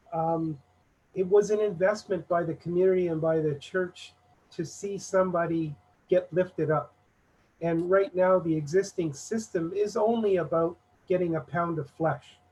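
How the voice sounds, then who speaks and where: A man's voice: a little high, darkish tone, breathy edge, dull audio. A man speaking earnestly and persuasively as a panelist. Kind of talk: panel discussion remarks.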